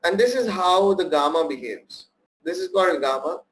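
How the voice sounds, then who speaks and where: A man's voice: sits high, lively intonation, moderate pace, rough recording. A young man teaching options trading in a live online workshop, quizzing his audience and repeating key points. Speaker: trading instructor.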